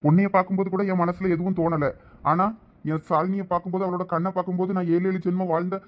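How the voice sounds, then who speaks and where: A man's voice: high voice, level tone, fast talker, close to an everyday voice. A man voicing a devoted, anxious young husband in a cartoon, muttering grumbling asides in a Thoothukudi Tamil accent. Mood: earnest. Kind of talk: cartoon voice acting. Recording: dull lo-fi audio.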